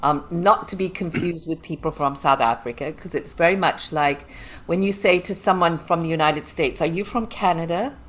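With a lowish voice at a moderate pace, this Zimbabwean woman chats animatedly as a guest in a casual interview, laughing frequently in her Zimbabwean accent. The recording is rough.

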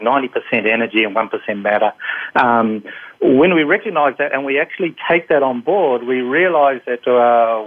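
New Zealand man on a tinny phone line. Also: medium pitch. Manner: rambling, many fillers and restarts. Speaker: guest, energy healer. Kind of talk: casual interview answers.

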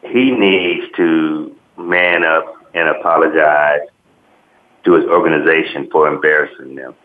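A man in his fifties co-hosting a sports radio talk show, blunt and halting, repeating his words. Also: very deep voice, fairly even intonation. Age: 50s. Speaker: co-host. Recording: tinny phone line.

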